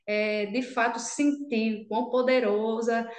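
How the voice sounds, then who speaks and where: A woman's voice: fairly high pitch, little pitch movement, slow pace, reverberant. A woman with a Brazilian Portuguese accent, co-hosting a religious teaching podcast, explaining earnestly and often checking in with "né?". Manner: earnest, explanatory, with many "né?" tags and restarts. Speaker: podcast co-host, Sunday school teacher. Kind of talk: casual religious podcast discussion.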